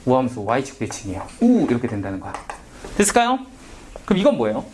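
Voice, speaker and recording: A man explains math at a whiteboard, firing off quick questions to his students and answering them himself. His voice swings up and down a lot, at a middling pitch. A faint hiss sits behind him. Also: wildly swooping pitch, darkish tone. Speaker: math tutor.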